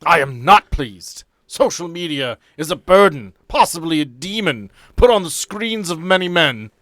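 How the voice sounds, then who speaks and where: A man's voice: fairly high pitch, lively intonation, normal speed, a bit bright, no room sound, pitched above the performer's own voice. Man putting on an earnest, archaic old-world knight. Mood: indignant, declaiming. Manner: archaic, formal, solemnly declaiming speech. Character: earnest archaic knight from olden realm, displeased by modern life.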